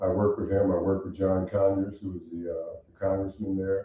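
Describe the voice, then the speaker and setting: In an American accent, a man with a fairly low pitch speaks in a monotone, flat way at a moderate pace, with audible room echo and light background noise. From Detroit, Michigan. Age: 70s. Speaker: notary at house closing; interviewee. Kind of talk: casual chat. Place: home room. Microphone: camera far.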